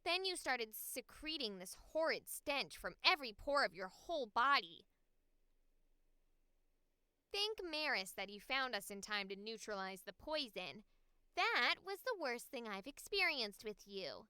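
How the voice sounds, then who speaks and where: A woman's voice: a little high, big pitch swings, unhurried, bright, forceful tone, clean tone, no echo, clean studio sound, pitched above the performer's own voice, exaggerated voice. A woman voicing a snarky, exasperated young girl adventurer in a voice acting audition read. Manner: sarcastic, exasperated.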